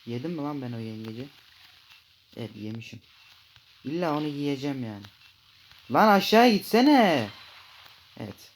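A young man talking his way through a mobile game in loose, chatty commentary, mid-pitched and easygoing. He jokes with the fish on screen and now and then bursts into loud shouts. There is a faint hiss under his desk-mic voice. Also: brisk, long pauses, low-quality recording. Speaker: gaming YouTuber. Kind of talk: casual gameplay commentary.

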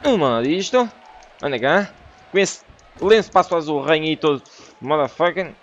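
A young man with a European Portuguese accent doing excitable let's play commentary, breaking into loud exclamations. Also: a little high, moderate pace, lo-fi sound. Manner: excitable, bursts into exclamations and laughter. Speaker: gaming YouTuber.

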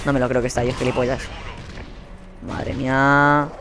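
A young man with a Spain Spanish accent giving live gameplay commentary. He rants in a profane, exasperated way and often bursts into yelling. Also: mid-range voice, little pitch movement, moderate pace, noisy background. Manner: profane, exasperated ranting with sudden yelled outbursts. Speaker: gaming channel host.

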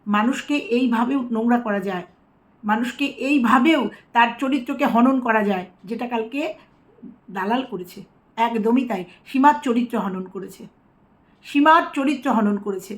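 A woman's voice: fairly high pitch, moderate pace. A woman ranting to camera as a vlogger, scolding and sarcastic, repeating taunts mockingly. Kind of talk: angry rant to camera.

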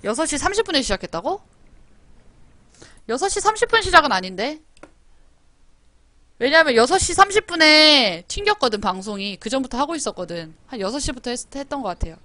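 Bright, lively high-voiced woman streamer. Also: fairly quick, pauses often, dry recording. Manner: chatty and playful, scolding her game characters; reads on-screen story text aloud. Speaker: game streamer. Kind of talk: live-streamed game commentary.

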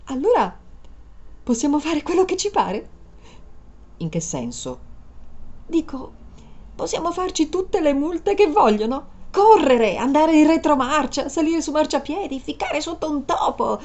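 A woman's voice: sits high, wildly swooping pitch, measured pace, pauses often, mellow, pitched above the performer's own voice, full character voice. A woman voicing a capricious, wheedling girl. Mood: excited. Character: whimsical, childish young woman passenger. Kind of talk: dramatized story reading.

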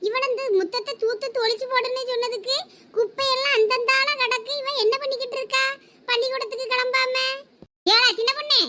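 A woman's voice: very high-pitched, steady tone, heavy background noise. A woman with a Thoothukudi Tamil accent playing a village mother who keeps scolding and nagging her daughter in a comedy skit. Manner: scolding, quick sharp nagging.

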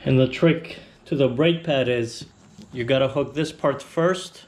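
A man hosting a casual how-to video, explaining a repair step by step in a relaxed, plainspoken way. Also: mid-range voice, unhurried. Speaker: motorcycle channel host.

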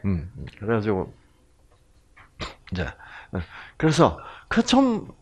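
A man's voice: on the low side, huge pitch swings, slow pace. A man with a Gyeongsang accent giving a health lecture with religious themes, humorous and chatty, often putting questions to his audience. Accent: Gyeongsang Korean. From Gyeongsang region, Korea.

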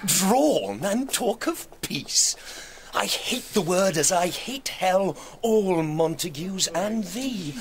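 A man playing a hot-tempered, menacing young nobleman, contemptuous and deliberate, in a Shakespearean radio drama. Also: sits high, big pitch swings, crowd noise, exaggerated voice. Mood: cold hatred.

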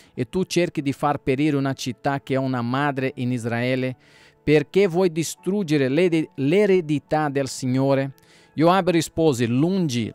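Pastor reading scripture over soft music. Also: male voice, mid-range voice, clean tone, no room sound. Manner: steady reading with slips and self-corrections. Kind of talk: Bible reading aloud.

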